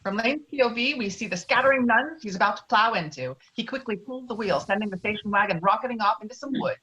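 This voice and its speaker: A woman's voice: fairly high pitch, expressive, fast, bright, forceful tone, muffled recording. A woman reading out stage directions as scripted narration of a screenplay.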